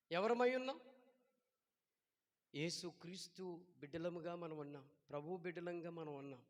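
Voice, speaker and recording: A pastor preaching a sermon, who keeps asking his congregation questions and shouts at times. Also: sits high, big-room sound.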